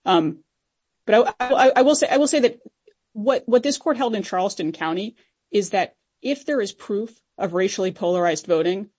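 A woman's voice: mid-range voice, lively intonation, normal speed, a little mellow, breathy edge, muffled recording. A woman lawyer making a formal, technical oral argument to judges in an assertive way. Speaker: appellate lawyer.

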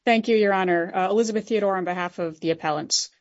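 A woman's voice: medium pitch, fast, muffled recording. A woman lawyer making a formal, technical oral argument to judges in an assertive way. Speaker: appellate lawyer.

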